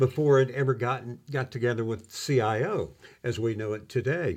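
In an American accent, a man speaks at a medium pitch and moderate pace in an ordinary speaking voice. The recording is very clean, with a silent background. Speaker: historian and author. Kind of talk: casual chat.

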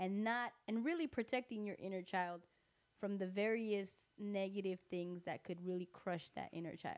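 This woman has a normal speaking voice, medium in pitch with ordinary pitch variation, in an American accent. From US-Mexico border. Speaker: podcast co-host. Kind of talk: casual chat. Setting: studio, livestreamed on video.

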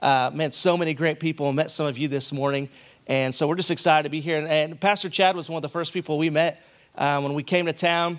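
This man's pitch is fairly high. He speaks in a Southern US accent. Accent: Southern drawl. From Arkansas. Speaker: pastor. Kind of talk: sermon.

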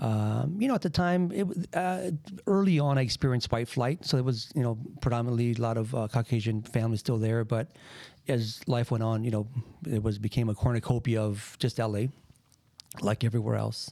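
A man with an American accent and a normal speaking voice talks at a fairly quick pace with lively intonation. His loudness stays very even in a very clean recording with a silent background. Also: medium pitch for a man. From Los Angeles, Boyle Heights. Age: 40s. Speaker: exoneree, wrongfully convicted former prisoner. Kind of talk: casual interview, life story. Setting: studio.

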